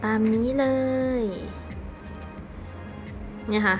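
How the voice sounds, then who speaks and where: Woman host, casual tarot deck review, chatty and polite, faint music underneath. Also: drawn-out words. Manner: chatty and polite, with soft polite endings and small laughs.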